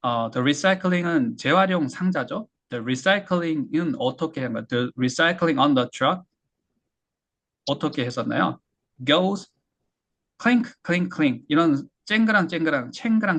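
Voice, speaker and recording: Male language tutor, gravelly and husky, slow drills, brisk explanations. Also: on the high side, a bit bright. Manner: drills English words slowly, then explains briskly. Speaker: English pronunciation teacher.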